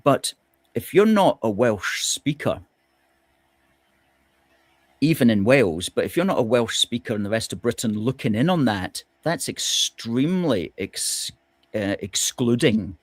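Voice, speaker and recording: A man hosting a political discussion, measured and questioning, with hesitant fillers. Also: medium pitch, very animated, no room sound. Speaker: host.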